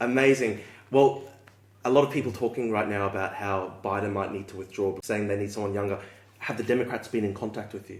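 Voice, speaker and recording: Speaking at a fairly quick pace, a man with a plain, everyday voice keeps a fairly low pitch and fairly even intonation while his loudness swings widely. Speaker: podcast host. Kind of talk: interview questions.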